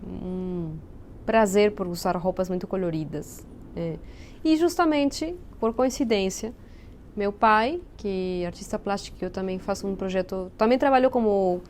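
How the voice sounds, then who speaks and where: Interview guest: Peruvian woman, Spanish-accented, native Spanish speaker, thoughtful and explanatory, middle pitch, faint noise behind. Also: a little mellow. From Peru. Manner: thoughtful, explanatory, searching for words. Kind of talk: casual interview chat.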